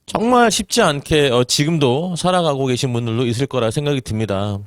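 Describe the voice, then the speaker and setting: A man in his forties giving an earnest seminar talk, asking the audience rhetorical questions and filling pauses with hesitations. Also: mid-range voice, lively intonation, no echo, studio quality. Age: 40s. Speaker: network marketing business presenter.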